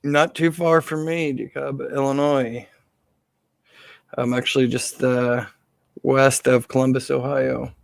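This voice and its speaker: A man with a slightly hoarse, medium-pitched voice hosts a casual live Q&A stream, speaking informally and haltingly off the cuff. His delivery is flat, with no room sound.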